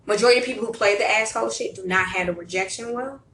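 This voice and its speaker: Bright, blunt woman in a roomy space. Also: medium pitch, rapid-fire, slight background noise. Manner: blunt, animated, quotes people in voices. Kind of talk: casual group chat. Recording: roomy echo, far from mic, faint background.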